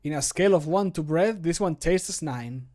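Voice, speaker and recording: A man's voice: fairly high pitch, a little mellow, natural voice. Flamboyant food-loving game character, voiced by a man. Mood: playfully grand. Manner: flamboyant, declamatory, drawn-out endings. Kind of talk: video game voice-line recording.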